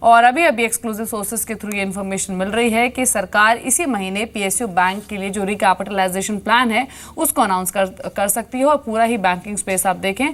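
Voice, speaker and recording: A woman business news anchor presenting live market news in a brisk, fluent way, mixing English terms into Hindi. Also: mid-range voice. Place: television studio.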